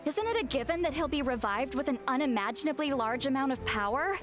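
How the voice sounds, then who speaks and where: A woman's voice: high voice, expressive, quick pace. A woman voicing a young female sorceress nicknamed granny, dry and teasing, who sighs often. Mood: wry. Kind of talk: game voice acting. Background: game music.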